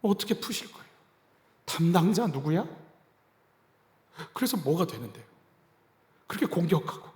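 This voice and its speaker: Pastor preaching in an echoing hall. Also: male voice, high-pitched, big pitch swings, quick pace, long pauses, a little mellow. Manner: conversational preaching, acts out quoted voices. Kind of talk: sermon. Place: church sanctuary. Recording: reverberant church hall.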